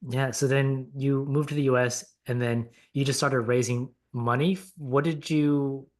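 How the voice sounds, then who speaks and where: A man hosting a podcast, asking relaxed questions with short encouraging replies. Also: mid-range voice, unhurried. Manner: relaxed, encouraging, brief backchannels. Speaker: podcast host. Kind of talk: casual interview.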